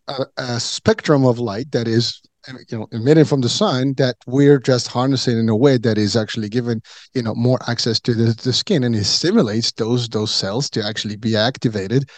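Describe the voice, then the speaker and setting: A man's voice: medium pitch, a little mellow, no room sound. A middle-aged man from Morocco chatting as a podcast guest, rambling with many fillers and restarts. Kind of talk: casual chat.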